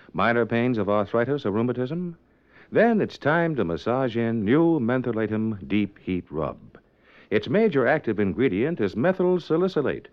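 A man working as a 1950s radio announcer, reading scripted introductions and sponsor copy. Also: medium pitch. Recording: dull 1950s radio recording.

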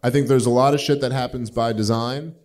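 A podcast host in his forties fields audience questions in a rambling, profane manner, packed with filler words. His medium-pitched, darkish voice moves fairly quickly with fairly even intonation during this casual live Q&A.

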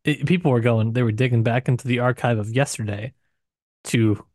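A man with a mid-pitched voice talks through books as a podcast co-host. His delivery is casual and discursive, full of hedges and asides. The recording is dry, with little room sound. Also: steady tone, a little fast, a little mellow, no room sound.

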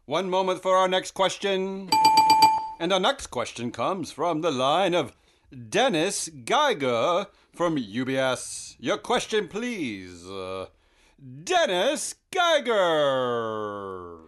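Man playing a very slow, ceremonious call operator. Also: on the high side, sing-song, a bit bright, full character voice. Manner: theatrical, drawn-out announcing. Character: formal conference-call operator, stiffly ceremonious, announcing questioners. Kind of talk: theatrical reenactment of an earnings call.

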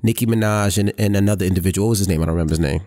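Man, podcast host, low voice, casual, direct teasing questions, restarts. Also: racing, warm tone. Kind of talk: casual conversation.

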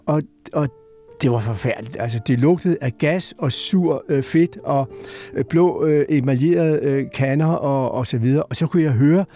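A man's voice: fairly high pitch, gravelly. An older man telling a personal story in a casual way, acting out the voices of the people he quotes. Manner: lively storyteller who acts out quoted voices. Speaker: storyteller guest.

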